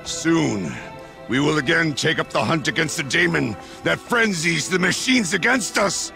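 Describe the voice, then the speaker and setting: An actor playing a fierce, grieving tribal war chief in a video game, delivering solemn, commanding oratory to rally hunters. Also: male voice, on the high side, animated, creaky, bright, forceful tone, faint music behind, full character voice. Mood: fierce, rousing. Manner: solemn, commanding oratory with slow deliberate phrasing. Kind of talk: rousing battle speech in a video game.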